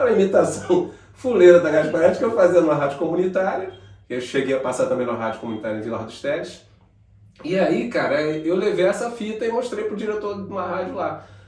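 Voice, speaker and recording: A man's high-pitched, very fast speech with very wide pitch swings, audible room echo and noticeable background noise. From Rio de Janeiro, Brazil. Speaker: radio announcer and voice artist. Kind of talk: casual interview chat. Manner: animated.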